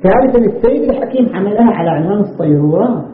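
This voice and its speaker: A man's voice: high voice, expressive, racing. A man giving a seminary lecture on jurisprudence, explaining point by point and asking himself rhetorical questions. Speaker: religious scholar teaching jurisprudence. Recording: tinny, echoey lecture recording with faint noise.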